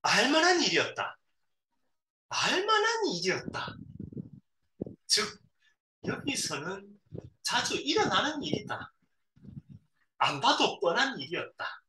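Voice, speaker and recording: A man's voice: high-pitched, very animated, bright, forceful tone. A middle-aged man reads a novel aloud to his son. He stops often to explain words simply and acts out the quoted lines. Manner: reads a passage, then pauses to explain words simply to a child. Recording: roomy echo, a bit far from the mic, faint noise.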